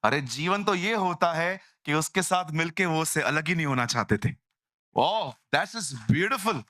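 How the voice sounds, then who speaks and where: Male pastor, animated preaching, bright sharp voice, dry close sound. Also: on the high side, moderate pace, no room sound. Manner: animated, mimics people in quoted voices. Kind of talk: lively sermon. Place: church hall.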